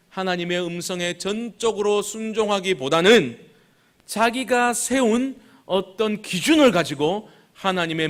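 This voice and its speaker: A male pastor preaching a Sunday sermon, swinging between loud and soft, slowing on key words, and asking the congregation questions. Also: sits high. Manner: acts out Bible quotes in changed voices; asks the congregation rhetorical questions.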